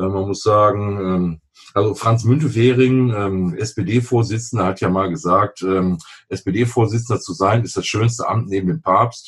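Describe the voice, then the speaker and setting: A man talks at a fairly slow pace, his fairly low pitch showing ordinary pitch variation. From Lower Rhine, Germany. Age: 40s. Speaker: roofing trade association president. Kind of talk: interview. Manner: hesitant, many fillers.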